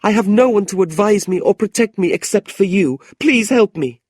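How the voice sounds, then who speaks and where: A man voicing a proud, indignant young woman who speaks high and slow. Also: lively intonation, darkish tone, dry recording, clean studio sound.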